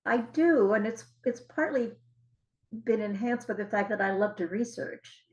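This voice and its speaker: An older woman, an author being interviewed, recalls her experiences in a measured, reflective, conversational way. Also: medium pitch, low-quality recording.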